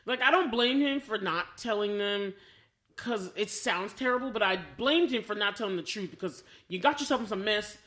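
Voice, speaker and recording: An American woman co-hosting a podcast, chatting casually about a film in an animated storytelling way and acting out reactions as she goes. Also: medium pitch, normal speed. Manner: animated storytelling, acts out reactions in quoted asides. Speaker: podcast co-host. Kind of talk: casual film review chat.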